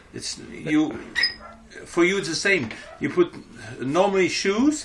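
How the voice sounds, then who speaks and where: A man's high voice with very wide pitch swings at a fairly slow pace, amid noticeable background noise. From Belgium. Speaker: blacksmith. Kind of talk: interview. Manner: halting.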